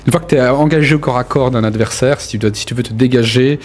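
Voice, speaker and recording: A man's voice: medium pitch, fast talker, a little mellow. A man running a tabletop role-playing game, narrating in an informal, hesitant but vivid way. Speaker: game master.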